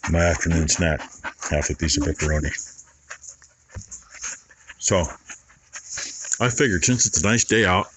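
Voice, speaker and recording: A man's voice: low-pitched, unhurried, pauses often, a bit bright, a little hiss or hum, rough recording. A man who farms, talking casually and plainly in a folksy, rambling way while filming outdoors. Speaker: farmer vlogger. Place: outdoors on a farm near a barn.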